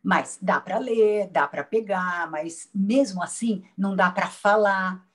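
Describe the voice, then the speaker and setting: A woman from Brazil talks through her experience in a roundtable. Her pace is unhurried and reflective, and she often restarts a phrase. Her voice sits at a middle pitch. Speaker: patient. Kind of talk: casual roundtable testimony.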